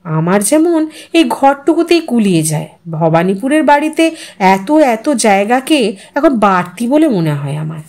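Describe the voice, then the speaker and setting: A woman's voice: fairly high pitch, big pitch swings, unhurried, darkish tone. A woman reading a story, voicing a resigned, confiding elderly widow who muses wistfully. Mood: resigned, content. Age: older. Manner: wistful, confiding, musing to herself. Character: Bithi, weary resigned elderly widow in old age home.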